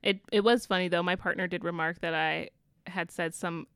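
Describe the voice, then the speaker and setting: A woman's voice: lowish voice, steady tone, normal speed, a bit bright, smooth, no echo, clean studio sound. A woman from the American South with a Southern accent, co-hosting a casual book podcast, chatty with frequent laughs. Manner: chatty, laughs often, many fillers.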